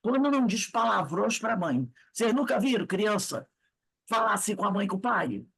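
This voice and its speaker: A woman's voice: medium pitch, lively intonation, moderate pace, vocal fry, a bit bright, husky. A woman in her sixties with a Brazilian Portuguese accent, giving an informal lecture to a study group in a chatty storytelling way and acting out the voices she quotes.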